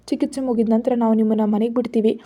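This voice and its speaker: A woman voicing a male henchman who speaks respectfully and briskly. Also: on the high side, steady tone, dark tone, close to an everyday voice.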